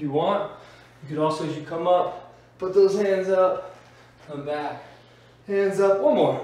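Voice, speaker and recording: High pitch for a man, ordinary pitch variation and big swings in loudness at a fairly slow pace, with strong room echo. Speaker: fitness instructor. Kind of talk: workout instruction. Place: gym.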